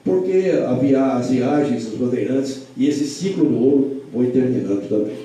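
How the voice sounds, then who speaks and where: A man from the interior of São Paulo with a Brazilian Portuguese accent explains local history in a slow, lecturing way. His voice is dark and mellow. He sits away from the mic in a very echoey room. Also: mid-range voice, animated, far from the mic. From Porto Feliz, São Paulo state, Brazil. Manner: measured, lecturing with many fillers and restarts.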